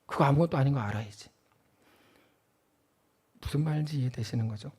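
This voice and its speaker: A man in his forties preaching a sermon as pastor, shifting between loud emphasis and quiet asides, and acting out family conversations as he tells stories. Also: mid-range voice, a little fast, slightly rough. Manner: acts out family dialogue in storytelling.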